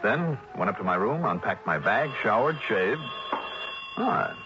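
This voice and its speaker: A man's voice: lowish voice, very animated, unhurried. An actor playing a breezy, joking insurance investigator in a 1960s radio drama, also narrating his expense report. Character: wisecracking male insurance investigator. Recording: dull vintage radio broadcast with faint hiss.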